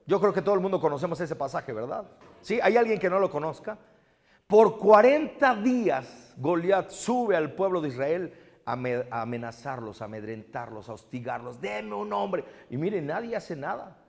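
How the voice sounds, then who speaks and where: A man giving a lively storytelling sermon, often questioning his audience. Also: on the high side, normal speed. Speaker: parish speaker. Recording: long reverb of a big hall.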